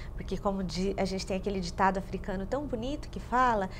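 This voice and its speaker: A woman at a moderate pace, vocal fry and ordinary pitch variation, over light background noise. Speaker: childhood advocate. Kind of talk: studio debate. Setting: studio. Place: studio.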